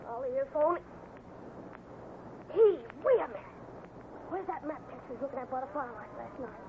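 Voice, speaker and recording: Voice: high-pitched, expressive, normal speed. A performer playing an earnest, impatient young boy who bosses a ranch, in an old-time radio juvenile Western. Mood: earnest, determined. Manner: eager, earnest. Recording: noisy, tinny vintage radio recording.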